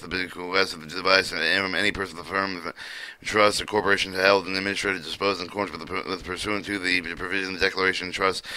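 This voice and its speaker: A man's voice: low voice, sharp tone, low-quality recording. A man reading a legal document aloud, stumbling over words and repeating himself as he goes.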